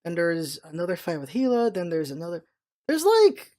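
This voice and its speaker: Casual, opinionated vlogger, mid-pitched voice. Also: very animated, moderate pace, darkish tone. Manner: informal, opinionated, emphatic. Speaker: vlog host. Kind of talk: casual rambling solo vlog commentary.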